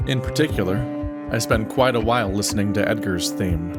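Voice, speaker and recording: A man delivers scripted first-person narration for his own video. His voice is fairly low. Guitar music plays clearly underneath him. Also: brisk.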